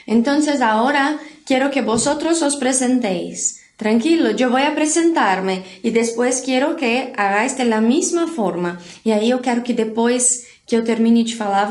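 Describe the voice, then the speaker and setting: A woman's voice: on the high side, darkish tone. A Brazilian woman teaching a recorded video lesson, explaining patiently and having learners repeat words after her. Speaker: Spanish teacher. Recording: roomy echo.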